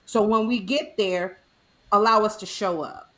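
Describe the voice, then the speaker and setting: A woman's voice: mid-range voice, unhurried, fairly bright tone. A woman panelist speaking emphatically and persuasively on a video call. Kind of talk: candid panel talk.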